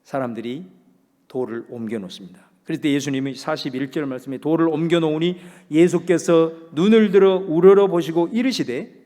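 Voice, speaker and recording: High-voiced male pastor preaching dramatically. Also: fairly quick, big-room sound. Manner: dramatic preaching, swinging between loud proclamation and hushed speech. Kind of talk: sermon.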